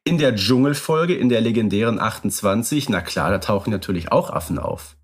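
A man's voice: on the low side, lively intonation, a little fast, breathy edge. A man co-hosting a podcast in casual chat, easygoing and fond of wordplay. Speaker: podcast co-host. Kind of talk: casual chat about radio plays.

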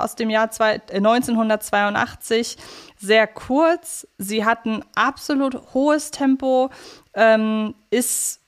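A woman's voice: a little high, clear, resonant tone. A woman co-hosting a casual fan podcast, talking in a chatty, reflective way. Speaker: podcast co-host.

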